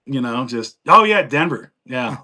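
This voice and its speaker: A man's voice: mid-range voice, big pitch swings, measured pace, bright, forceful tone. A man in his forties from the United States, telling his life story in a rambling, chatty way with frequent laughs. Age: 40s. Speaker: guest on a live chat. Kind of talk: casual chat.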